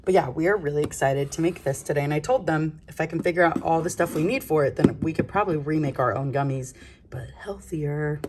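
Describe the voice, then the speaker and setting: She talks quickly in a low voice with hardly any pauses, over a little hiss or hum. A young vlogger and mother of several kids, she yawns and chats sleepily in her kitchen at dawn, rambling with lots of fillers and going quiet at times so the baby can sleep.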